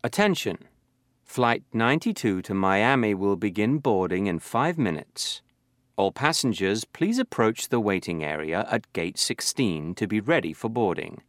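A man acts out an airline gate agent making an airport announcement in a lowish voice. His delivery is formal and instructive, with lively rises and falls, and the recording is dry and close. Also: measured pace, no echo. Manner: formal, clearly addressing passengers.

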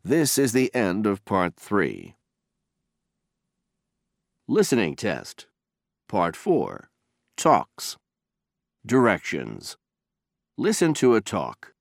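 A man reading scripted listening test instructions and questions in a formal, deliberate way. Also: fairly low pitch, wildly swooping pitch, creaky, dry recording, studio quality.

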